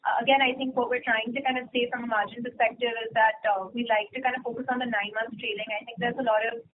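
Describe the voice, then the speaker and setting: Higher-voiced woman on a noisy phone line. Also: little pitch movement, fast. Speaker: company executive. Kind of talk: explaining figures on an earnings call.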